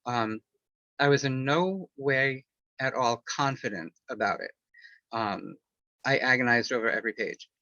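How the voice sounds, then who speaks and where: Guy with a bright voice rambling through an interview answer, lots of ums, dry dull-sounding recording. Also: medium pitch, a little slow, no echo. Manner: rambling, many fillers and restarts; candid, personal. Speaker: author and interview guest.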